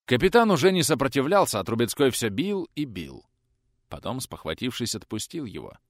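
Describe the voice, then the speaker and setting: A man's voice: mid-range voice, very animated, fairly quick, no echo, clean studio sound. A man narrating a war adventure audiobook in a tense, vivid manner.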